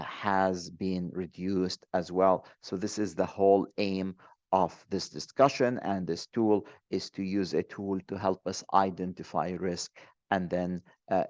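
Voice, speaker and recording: Very low-voiced man with many fillers. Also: darkish tone, no room sound. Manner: hesitant, many fillers and restarts. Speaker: webinar presenter. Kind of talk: online training webinar. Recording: dull, dry close mic.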